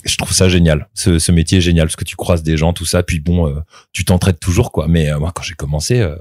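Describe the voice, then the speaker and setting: A man's voice: deep voice, steady tone, brisk, darkish tone, dry recording, studio quality. A man in his thirties, a voice actor being interviewed, talking casually with many fillers and restarts. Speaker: voice actor guest.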